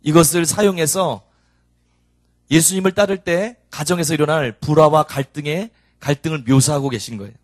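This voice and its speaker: A man preaching in a church with a slightly raised pitch, pressing his points through a string of rhetorical questions. The sound is dry and close, with almost no room echo. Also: moderate pace. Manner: rhetorical questions, rising emphatic delivery. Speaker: pastor. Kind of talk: expository sermon.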